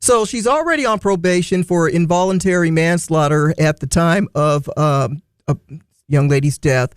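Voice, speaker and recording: A man's voice: on the high side, normal speed, smooth, no echo, studio quality. A man hosting a morning radio show, chatting playfully and telling a news story with frequent laughs. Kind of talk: casual radio banter. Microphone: studio microphone.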